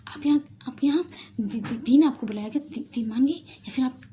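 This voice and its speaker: A woman's voice: high-pitched, moderate pace, warm tone, a little hiss or hum, lightly acted. A woman voicing a fretful, lovesick young woman student who stammers and pleads. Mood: pleading.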